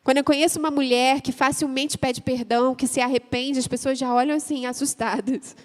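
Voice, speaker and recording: A woman pastor with a Brazilian Portuguese accent preaches in a high, bright voice that carries. She tells her story with vivid back-and-forth dialogue and swells into loud, fervent prayer. The sound rings with the long reverb of a church hall. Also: fairly even intonation, brisk. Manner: storytelling, acting out both sides of a marital argument. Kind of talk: sermon.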